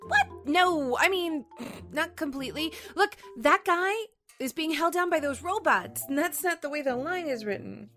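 A woman's voice: high voice, animated, normal speed, pushed and bright, soft background music. A woman voice actress recording lines into a studio microphone, playful and self-mocking as she chats between takes. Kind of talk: voice recording session outtakes.

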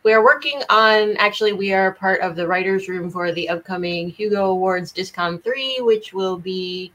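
A woman's voice: mid-range voice, moderate pace, a bit bright, low-quality recording. A woman talking casually and jokingly as a writer guest on a podcast over a video call. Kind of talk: casual chat.

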